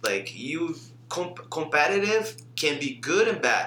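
A man talks over noticeable background noise. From Brazil. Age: 20s. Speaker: jiu-jitsu instructor and MMA fighter. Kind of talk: interview.

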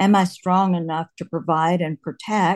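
A woman's medium-pitched voice with a Southern US accent, dark and mellow in tone, dry and close with no echo, over a quiet background. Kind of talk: casual chat.

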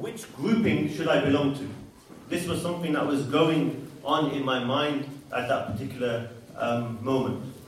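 Over noticeable background noise and audible room echo, a man speaks at a moderate pace in a fairly high pitch with ordinary pitch variation. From England, Coventry. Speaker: convert speaker. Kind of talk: talk at an event.

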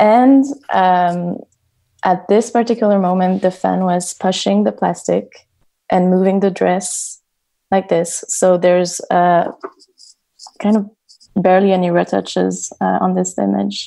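A woman with a French accent speaks at a fairly slow pace, leaving long, frequent pauses. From Switzerland. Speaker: photography student. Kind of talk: interview. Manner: halting.

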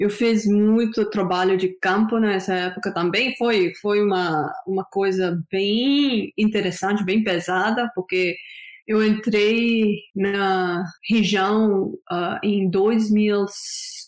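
Very slow speech from a woman at medium pitch, with a non-native accent, ordinary pitch variation and very even loudness. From India. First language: not Portuguese (speaking Portuguese). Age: 50s. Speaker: international relations professor. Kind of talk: interview. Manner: halting.

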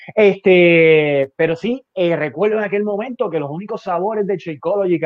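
Energetic in tone, a man talks at a high pitch with ordinary pitch variation. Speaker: fitness coach. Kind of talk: interview.

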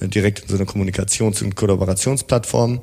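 A man with a fairly low pitch and fairly level intonation talks in a normal speaking voice. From Celle, Lower Saxony. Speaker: startup co-founder. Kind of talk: interview.

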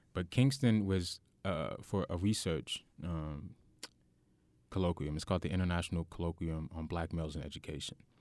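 The speech comes at a moderate pace with ordinary pitch variation. The recording is very clean, with a silent background. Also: man, very deep, low pitch for a man. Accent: American. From Milwaukee, Wisconsin, US. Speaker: poet. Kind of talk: casual interview. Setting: radio studio.

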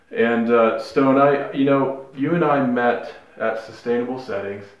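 Over noticeable background noise and audible room echo, the speaker talks at a fairly slow pace with ordinary pitch variation. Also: man. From suburban US. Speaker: podcast host. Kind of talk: conversational interview. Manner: halting, repeats words.

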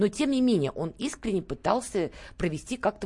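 A woman at a fairly quick pace, with very wide pitch swings and a quiet background. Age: young. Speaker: political analyst. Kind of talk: radio panel discussion. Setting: radio studio.

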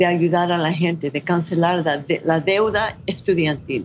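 A normal speaking voice moves at a fairly slow pace. Its pitch varies in an ordinary way. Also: woman. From New Mexico, US. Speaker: presidential candidate and socialist activist. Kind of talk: interview.

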